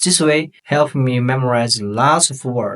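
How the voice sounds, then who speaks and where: A Chinese accent at a moderate pace. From China. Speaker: language learning video creator. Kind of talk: tutorial.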